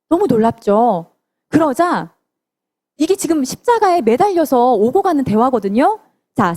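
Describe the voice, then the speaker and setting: A woman's voice: on the high side, warm tone. A woman preaching to children in church, telling the story and asking them questions. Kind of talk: children's sermon.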